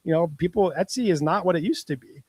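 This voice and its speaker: A man's voice: high voice, expressive, fast, a little mellow, slightly rough, no echo. A man co-hosting a business podcast in casual, upbeat chat, encouraging and chuckling often, on a close mic. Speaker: podcast co-host.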